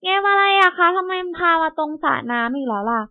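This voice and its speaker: A woman voicing a playful little girl who speaks in a high, excited, childish way. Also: fairly quick. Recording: tinny phone-like sound.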